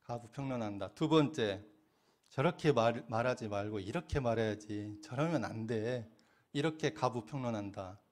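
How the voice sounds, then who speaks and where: A man's voice: medium pitch, normal speed, a little hiss or hum. Man preaching, quizzing his congregation. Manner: asks questions and answers them himself, laughing now and then. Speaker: Won Buddhist minister. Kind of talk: sermon with questions to the congregation.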